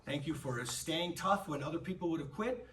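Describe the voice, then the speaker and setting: A man giving an animated, emphatic black belt ceremony speech to his martial arts class, swearing freely. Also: a little high, normal speed. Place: martial arts gym, indoors. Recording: distant voice with faint room noise.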